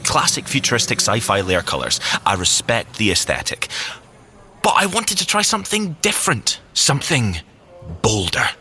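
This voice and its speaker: A man playing an excitable, playful, nerdy secret agent scientist in an audio drama, with a boyish, eager way of talking. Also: medium pitch, normal speed, slight background noise. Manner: boyish, eager, geeky, swooping delivery.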